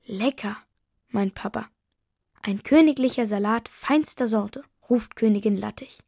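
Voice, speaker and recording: A woman narrating a children's story in a gentle, lively way, voicing the characters as she reads. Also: on the high side, measured pace, vocal fry, no echo, clean studio sound.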